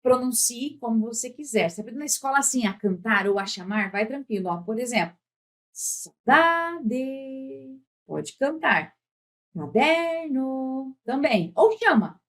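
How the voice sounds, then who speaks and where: A woman with a fairly high voice leads a grammar lesson for exam candidates. She stretches out each example word slowly and keeps checking that the listener is following. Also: lively intonation. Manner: patient, drawn-out words when giving examples; often checks in with "tá?". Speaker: Portuguese teacher.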